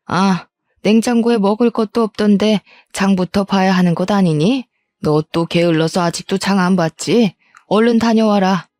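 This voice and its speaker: A woman's voice: medium pitch, moderate pace, darkish tone, no room sound, lightly acted. A woman voicing a nagging, scornful older mother-in-law who scolds sharply and talks down to her daughter-in-law. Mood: scolding. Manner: scolding, contemptuous.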